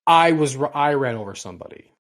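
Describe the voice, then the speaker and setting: A man's voice: on the high side, lively intonation, quick pace, fairly bright tone. A middle-aged man co-hosting a casual podcast, telling long rambling stories and often repeating himself. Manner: rambling storyteller, repeats and restarts words. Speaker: podcast co-host.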